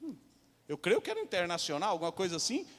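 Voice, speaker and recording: A Brazilian pastor with a strikingly high-pitched voice preaches a storytelling sermon, often calling out to his congregation. His voice carries a long church hall reverb, with each phrase trailing off into the room. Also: wildly swooping pitch, fast, fairly bright tone. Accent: Brazilian Portuguese.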